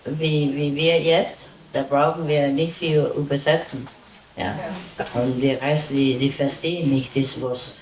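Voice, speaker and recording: A woman's voice: very deep voice, steady tone, measured pace, background noise. A woman who is not a native German speaker, with a foreign accent, talking casually to a group in short, simple, often repeated phrases as a teacher. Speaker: spiritual teacher leading a gathering. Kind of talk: casual informal talk to a group. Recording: echoey, distant mic, crowd around.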